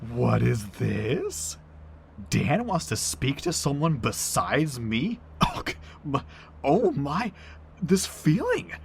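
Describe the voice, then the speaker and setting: A boisterous railway man played by an actor whose pitch swings freely. He teases theatrically in audio drama style. Faint station ambience sits behind the voice. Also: huge pitch swings, extremely slow, gravelly, slight background noise, exaggerated voice. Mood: teasing, mock-dramatic. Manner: theatrical teasing. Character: Garrett, teasing, boisterous male train crewman.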